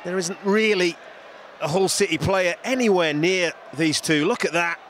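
A man giving measured football co-commentary, stressing key words by repeating them. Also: sits high, a bit bright, slight background noise. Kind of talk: football match analysis.

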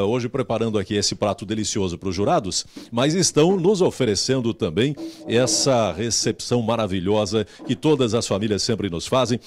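A middle-aged man with a Brazilian Portuguese accent hosts a live TV cooking segment in a home kitchen. He talks into a handheld mic in an upbeat, exclaiming way and keeps repeating words. His voice sits at a middle pitch and the sound is dry and close. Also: darkish tone, dry recording. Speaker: TV reporter.

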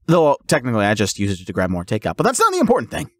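A young man playing a goofy, excitable, reckless jock boyfriend in a roleplay audio drama, rambling eagerly and stammering. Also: medium pitch, rapid-fire, no room sound. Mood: casual, bragging.

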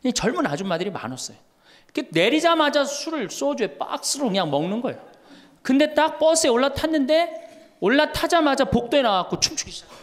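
A man's voice: very high-pitched, big pitch swings, brisk. A middle-aged man, a Catholic priest, giving a humorous talk to an audience and acting out the voices in his stories. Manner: storytelling, acts out quoted voices, laughs along. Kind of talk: humorous lecture.

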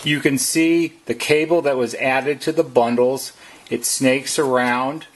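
A man's voice: medium pitch, fairly even intonation, a little slow, breathy edge. A man narrating a step-by-step how-to as a technician, explaining plainly and methodically. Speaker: repair technician giving instructions.

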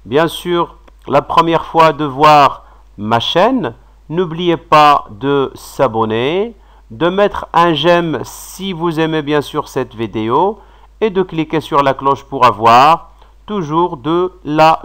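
A man teaching vocabulary, saying each word slowly and repeating it. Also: a little high, animated, a bit bright. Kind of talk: slow vocabulary lesson.

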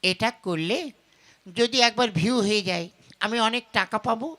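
A woman's voice: mid-range voice, normal speed, fairly bright tone, lightly acted. A woman playing a brash, defiant village wife who talks insistently in a folk puppet-show drama. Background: sitar and tabla music.

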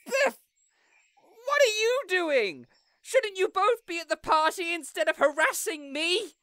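A man's voice: extremely high pitch, very animated, unhurried, pushed and bright, no echo, studio quality, exaggerated voice. A man voicing an indignant, insecure young superhero in an audio roleplay, whiny, pompous and melodramatic. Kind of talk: scripted audio roleplay acting.

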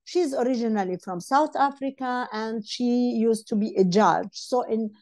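A woman in her sixties whose first language is Arabic, speaking on an online panel over a video call, halting with many fillers and restarts. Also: fairly high pitch, a little mellow. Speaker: panel speaker, legal advisor. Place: home room. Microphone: earphone headset on video call.

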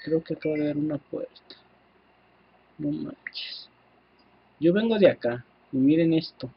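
A man with a Mexican accent giving casual, excitable gameplay commentary, swearing freely and talking to his viewers. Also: a little high, unhurried, slightly rough, highs cut off. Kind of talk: casual let's-play commentary.

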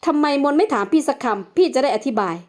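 A woman's voice: high-pitched, animated, quick pace, a little mellow. A woman voicing an earnest, insistent adult man defending himself to his wife in a romance audiobook. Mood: pleading.

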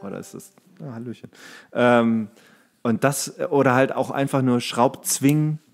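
A man's voice: mid-range voice, moderate pace, creaky, soft background music. Man in loose, colloquial casual chat. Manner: colloquial, jokey, loose and digressive. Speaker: podcast co-host. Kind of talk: casual, rambling chat about tools and DIY.

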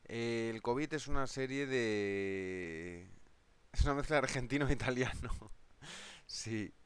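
A man's voice: medium pitch, takes it slowly, smooth. A man with a Spanish accent from Spain, hosting a live trading stream in a jokey, chatty way, answering viewer comments and laughing often. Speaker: trading webinar host.

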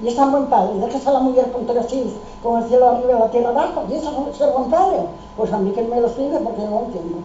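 An older woman tells her family's story emphatically, restarting her sentences and taking on each person's lines. Her voice is dark and mellow. The sound is dull and lo-fi, full of room echo and picked up from some distance. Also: a little high, fast talker, hardly any pauses, a little hiss or hum. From Spain. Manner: emphatic, restarts often, acts out dialogue. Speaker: oral history participant. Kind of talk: recounting family memories. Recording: roomy, distant, dull lo-fi recording.

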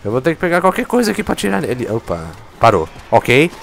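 This let's play commentator talks fast in a slightly high, gravelly voice, with slight background noise and faint game music behind him. He's casual and excitable, cursing freely and joking about the game as he plays.

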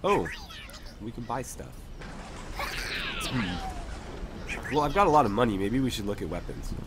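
A man's voice: medium pitch, animated, unhurried, background noise. A man hosting a let's play, casually thinking aloud with many fillers while he recovers from a lost voice. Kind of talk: casual gameplay commentary.

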